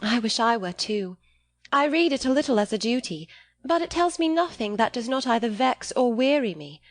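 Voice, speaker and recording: A woman's voice: a little high, dry recording, natural voice. A woman voicing a candid, naive teenage girl in an audiobook, speaking in an eager and artless manner.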